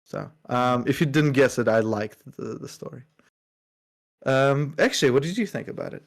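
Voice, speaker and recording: A man co-hosting a podcast, giving a thoughtful, measured review of a story with casual fillers. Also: medium pitch, creaky. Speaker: podcast co-host. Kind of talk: casual book discussion.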